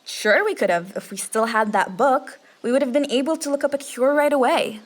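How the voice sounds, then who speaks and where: A woman's voice: high-pitched, fairly quick. A woman playing a bossy, dry-witted young adventurer with a decisive manner in a comic fantasy audio drama. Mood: wry, bossy. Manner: decisive, wry.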